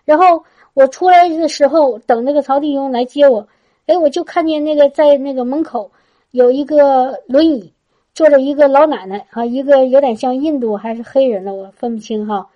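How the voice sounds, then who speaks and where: Woman, church testimony, chatty storyteller with many restarts. High, mellow voice on a dull, lo-fi recording. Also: moderate pace. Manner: chatty, with frequent restarts and a tag particle at phrase ends. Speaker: church speaker giving a testimony.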